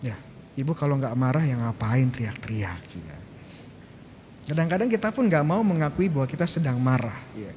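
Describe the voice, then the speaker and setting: A man's voice: very animated, moderate pace, darkish tone. A man preaching a homily as a Catholic priest, chatty, asking himself questions and acting out small exchanges with parishioners. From Indonesia. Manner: conversational, asks and answers his own questions; acts out short exchanges with parishioners. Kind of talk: sermon. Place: church. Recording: church reverb, faint rumble.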